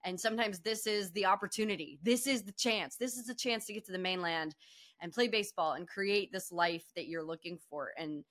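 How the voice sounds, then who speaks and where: A woman's voice: medium pitch, brisk, a bit bright. A woman co-hosting a sports podcast, reflecting conversationally and earnestly, repeating phrases for emphasis. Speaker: podcast co-host.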